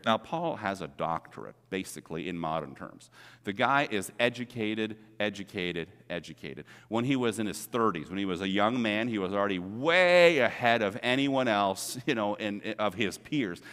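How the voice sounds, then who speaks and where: A middle-aged pastor preaches a sermon in a church sanctuary, earnest and conversational, repeating words to stress his points. His voice sits on the low side and is a bit bright, carried by the hall's long reverb.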